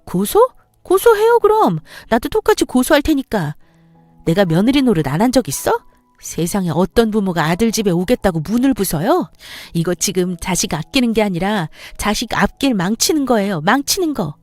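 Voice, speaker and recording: A woman's voice: medium pitch, lively intonation, brisk, a little mellow, no echo, soft background music, close to an everyday voice. A woman voicing a fed-up young wife who argues back in a heated, raised voice. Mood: angry. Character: fed-up young wife, sharp-tongued and defiant.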